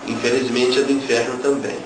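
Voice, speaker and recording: A man's voice: mid-range voice, little pitch movement, fairly quick, over music. Man telling a story in an echoey room. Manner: emotional storytelling, quoting dialogue. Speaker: testimony speaker. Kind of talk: religious testimony. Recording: echoey, distant, noisy room.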